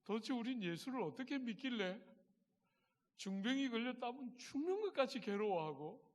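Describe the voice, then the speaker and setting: A middle-aged man preaching a sermon as pastor, telling stories with strong feeling and swinging from soft to loud. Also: extremely high pitch, very animated, moderate pace, long reverb tail.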